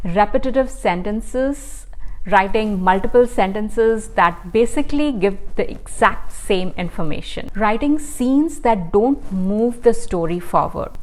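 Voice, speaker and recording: A woman talks at a fairly slow pace with hardly any pauses, her pitch fairly high and her intonation lively. Audible room echo surrounds her voice. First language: not English. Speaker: novelist and writing youtuber. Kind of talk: vlog monologue. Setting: home writing studio.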